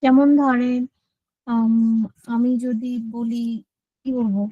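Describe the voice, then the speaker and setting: A woman's voice: fairly high pitch, little pitch movement, takes it slowly, no echo, narrow, tinny audio. A woman student talking into a laptop mic on a video call, explaining her question in detail and sometimes searching for words.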